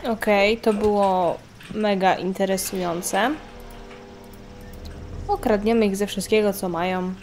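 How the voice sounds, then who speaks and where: A woman's voice: medium pitch, fairly even intonation, takes it slowly, long pauses, a little mellow, soft background music. A woman giving casual gameplay commentary as a let's player.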